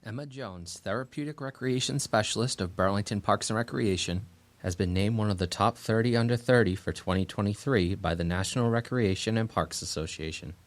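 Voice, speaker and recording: A man's voice: lowish voice, fairly quick. A man reporting a local news segment in a formal scripted delivery, ending with a sign-off.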